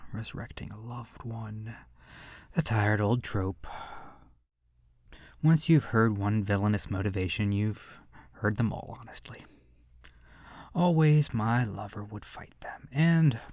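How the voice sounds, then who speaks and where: Slow, creaky, seductive vampire played by a man. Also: fairly low pitch, no echo, clean studio sound. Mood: wistful storytelling, then bitter, sardonic. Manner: slow, hushed, lingering pauses, breathy whispering. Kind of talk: ASMR horror roleplay monologue. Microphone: close microphone.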